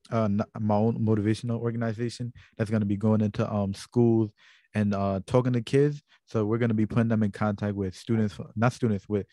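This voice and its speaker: A man from Guyana with a lowish, dark voice hosts a casual interview, recorded dry with clean studio sound. He talks earnestly, rambling a little and using plenty of fillers.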